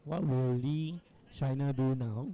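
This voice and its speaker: A man's voice: mid-range voice, steady tone, measured pace. A male co-commentator at a bowls match who asks questions and replies briefly. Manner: asks questions, short agreeing replies, laughs easily. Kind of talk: live sports commentary. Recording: lo-fi broadcast audio with faint noise.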